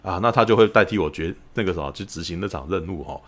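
Fast-talking podcast host. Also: male voice, low voice, crowd noise. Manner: animated storyteller, keeps asking "you know?". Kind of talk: casual film review chat.

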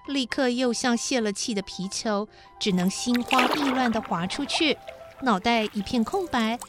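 A woman storyteller narrating a children's story in a gentle, expressive reading. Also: fairly high pitch.

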